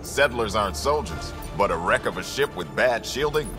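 A seasoned middle-aged leader of space settlers, played by a male actor, genial and wry. His lowish voice has a folksy manner, with music clearly behind it in a video game scene. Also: expressive, moderate pace, lightly acted. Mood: busy, assured. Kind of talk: video game dialogue acting.

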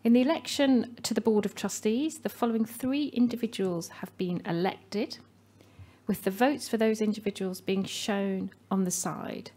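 A woman at a podium reading out election results in a measured, formal way. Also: medium pitch, mellow. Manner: measured, reading names slowly. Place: meeting hall. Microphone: podium microphone.

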